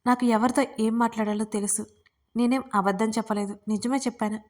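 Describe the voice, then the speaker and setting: A woman's voice: fairly high pitch, steady tone, fairly quick, a little mellow, lightly acted. A woman voicing a cold, defiant young woman who speaks harshly and firmly, in a storybook reading. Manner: harsh, firm.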